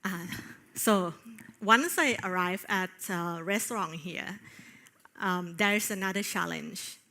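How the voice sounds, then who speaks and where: Female conference presenter, bright forward tone, earnest and hesitant with fillers. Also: lowish voice. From Thailand. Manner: earnest, with frequent filler pauses. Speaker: conference speaker. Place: on stage at a tech conference.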